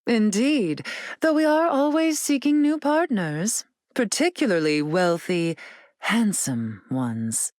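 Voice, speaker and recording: A woman's voice: mid-range voice, very animated, darkish tone. Posh-mannered snooty glam lady, arch and witty, super swoopy delivery, game voice. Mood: flirtatious. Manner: arch, condescending, drawn-out endearments. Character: haughty, glamorous, witty high-society mutant hostess.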